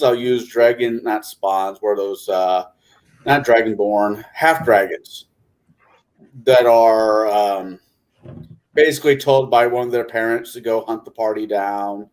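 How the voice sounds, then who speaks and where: A man's voice: lowish voice, darkish tone, low-quality recording. A man chatting casually as a game master on a panel, rambling and hesitant as he corrects himself. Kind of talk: casual chat about tabletop gaming.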